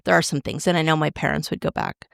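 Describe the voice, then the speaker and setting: A woman in her fifties, co-hosting a podcast, telling stories in an animated way and acting out quotes. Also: sits low, fast talker, vocal fry, no echo, clean studio sound. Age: 50s. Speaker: podcast co-host. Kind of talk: casual chat, storytelling.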